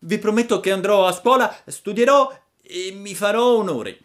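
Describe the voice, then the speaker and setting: A man's voice: sits high, normal speed, pitched above the performer's own voice, close to an everyday voice. A man voicing a cheeky, whining wooden puppet boy who sobs and pleads. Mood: pleading. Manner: whiny, sobbing, pleading.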